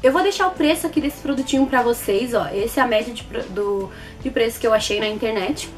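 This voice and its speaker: A woman in her twenties with a Brazilian accent, chatting casually to camera as a beauty vlogger, expressive and repeating words for emphasis. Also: on the high side, fairly quick, soft background music. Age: 20s. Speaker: beauty vlogger reviewing products. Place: small plain indoor room.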